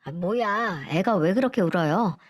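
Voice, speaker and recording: A woman's voice: lowish voice, lively intonation, normal speed. Bratty grown son, a lady doing his voice, snaps and whines, faint music under it. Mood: irritated. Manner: snapping, whiny and impatient. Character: rude, irritable grown son, adult man.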